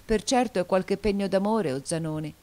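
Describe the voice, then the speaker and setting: A woman's voice: medium pitch, normal speed, warm tone, pitched above the performer's own voice, close to an everyday voice. A woman voicing a young woman, an anxious and devoted lover, in an audiobook reading, pleading and often rising toward anguished cries. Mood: playful.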